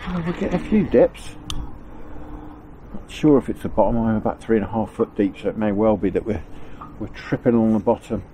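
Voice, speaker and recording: A stuffy-nosed man with a lowish voice talks his way through a fishing session by a river. He rambles along in an easygoing, chatty way, his nasal tone betraying a lingering cold. A faint hiss of wind sits behind him outdoors. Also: fairly quick, dark tone, poor audio. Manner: chatty, rambling, chuckles often. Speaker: angling vlogger. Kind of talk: casual on-the-spot commentary. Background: faint wind noise.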